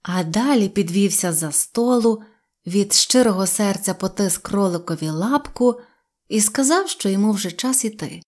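A woman narrating a fairy tale audiobook in a gentle, expressive storytelling manner. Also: mid-range voice, normal speed.

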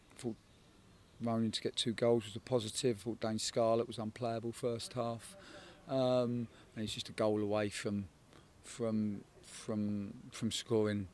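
A man in his forties, a football head coach, giving a measured post-match interview outdoors at a night stadium, often repeating words as he thinks. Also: lowish voice, darkish tone, a little hiss or hum. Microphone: handheld interviewer microphone.

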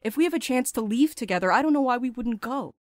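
A woman's voice: fairly high pitch, expressive, fast talker, dry recording, studio quality, lightly acted. A woman playing a restless, blunt courier in an audio drama, urgent and sardonic, eager to escape. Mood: eager, teasing.

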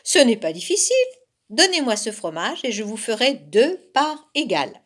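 A woman's voice: fairly high pitch, big pitch swings, normal speed, a bit bright. A woman voicing a sly male fox who coaxes and soothes with false kindness. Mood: coaxing.

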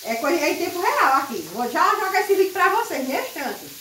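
A woman vlogging casually while she cooks at the stove at home, loud and chatty, laughing often. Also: extremely high pitch, sing-song, brisk, a little hiss or hum. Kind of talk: casual chat while cooking. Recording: echoey kitchen, mic set far off.

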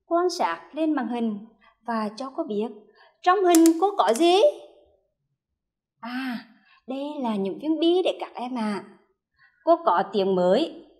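A high-voiced woman teacher with a Hue accent, taking her time as she leads a children's reading lesson. She draws out each sound slowly and clearly so young pupils can echo it back, and she speaks in a studio. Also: lively intonation, a little mellow. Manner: slow, careful modeling of sounds, drawn-out repetitions for children to echo. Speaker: primary school teacher. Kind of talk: first-grade reading lesson.

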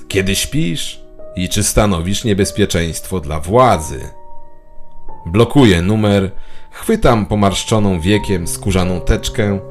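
A man's voice: on the low side, darkish tone. A man playing a paranoid, bitter middle-aged office worker who delivers a theatrical, suspicious monologue in an audio drama. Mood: paranoid, wary. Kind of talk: scripted first-person audio drama monologue.

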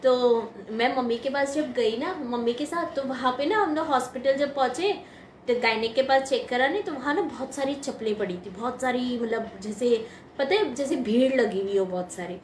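A young woman tells a casual devotional story with a high, bright voice, laughing now and then and slipping English words into her talk. She sounds recorded in an echoey room with a faint background hum. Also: moderate pace. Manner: chatty, laughs often, mixes English words. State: eight months pregnant. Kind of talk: casual spoken testimony to followers.

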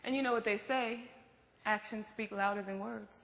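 A woman's voice: medium pitch, steady tone, normal speed, vocal fry, a bit bright. A woman acting in a stage play as a protective, outspoken best friend, blunt, probing and emphatic. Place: theatre stage. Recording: echoey theatre hall.

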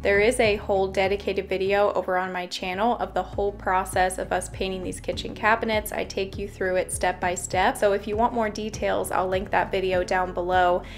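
A woman's voice: medium pitch, level tone, a little fast, few pauses. A young woman, a home renovation vlogger, narrating a voice-over in a cheerful, chatty way and explaining each step. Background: faint background music.

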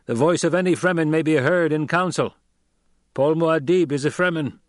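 A man doing a stern tribal chief, flat and dignified. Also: on the high side, moderate pace, dry recording, clean studio sound, pitched above the performer's own voice, lightly acted. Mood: solemn. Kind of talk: audiobook character voice.

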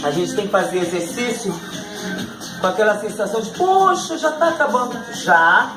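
A man's voice: high-pitched, expressive, moderate pace, reverberant, over music, poor audio. A middle-aged Brazilian man leading a home exercise class, cueing moves and counting reps with an upbeat, laughing manner. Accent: Brazilian Portuguese. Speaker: fitness instructor. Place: living room at home.

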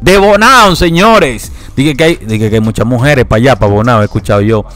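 A man's voice: medium pitch, lively intonation, normal speed, fairly bright tone. A Dominican man hosting a casual barbershop podcast, teasing and joking with his guests. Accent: Dominican Spanish. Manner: joking, teasing, laughs often.

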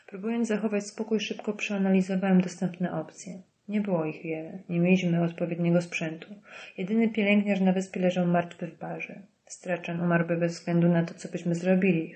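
Woman reading a novel aloud, calm and even, lowish pitch. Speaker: audiobook narrator. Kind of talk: scripted narration.

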